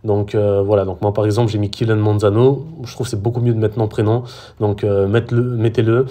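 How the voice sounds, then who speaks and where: Speaking in a lowish, mellow voice with a level tone, this French man talks a little fast. He is hesitant throughout his casual screen-recorded social media tutorial, constantly using fillers and starting over.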